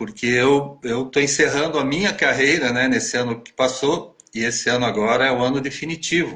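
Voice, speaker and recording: A man speaks at a moderate pace. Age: 60s. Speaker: spiritual mentor and event organizer. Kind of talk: live stream conversation. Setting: online live stream. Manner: halting.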